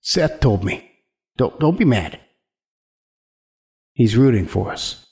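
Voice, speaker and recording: A man's voice: mid-range voice, very animated, slow pace, gravelly, darkish tone, full character voice. An actor playing a menacing, violent man who poses as a romantic suitor in a horror audio drama. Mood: pleading, insincere.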